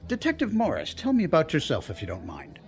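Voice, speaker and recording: An actor playing a genteel older senator in an audio drama, courteous, polished and formal. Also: male voice, on the high side, wildly swooping pitch, quick pace. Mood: gracious. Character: genteel older male senator, gracious dinner host.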